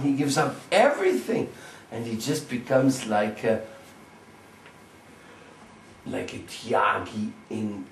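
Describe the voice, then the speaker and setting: Man, spiritual teacher, devotional storytelling, gravelly voice, conversational, echoey room, distant mic. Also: medium pitch, a little hiss or hum. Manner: lively storyteller, conversational, "no?" tags. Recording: roomy, distant mic, faint ambience.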